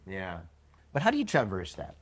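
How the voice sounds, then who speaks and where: A man's voice: low voice, normal speed. A Filipino man hosting a podcast, chatting casually and often asking for agreement as he talks. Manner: tag questions, chatty and expressive. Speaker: podcast host. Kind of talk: casual chat.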